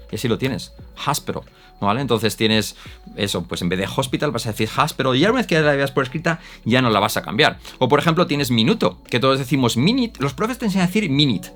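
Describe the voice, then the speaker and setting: An English teacher with a mid-range voice explains English pronunciation. He's animated, demonstrating sounds through exaggerated examples.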